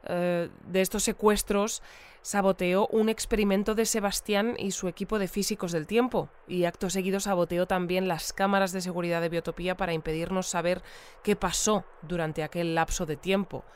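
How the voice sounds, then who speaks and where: A performer playing an inquisitive, courteous radio news presenter in an audio drama, asking measured questions. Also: mid-range voice, steady tone, clean tone, natural voice. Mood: probing. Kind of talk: audio fiction acted as a radio news interview.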